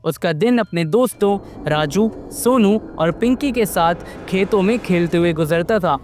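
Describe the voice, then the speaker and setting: A man narrating a scripted horror-fantasy story in a lively, dramatic way. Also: high-pitched, a little slow, slight background noise.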